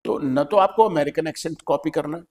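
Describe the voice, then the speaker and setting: A man's voice: on the high side, a little fast, darkish tone, in a large hall. Indian man explaining with patient repetition. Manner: patient, repeats key points for emphasis. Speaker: English teacher and host. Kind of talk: explaining in a podcast interview.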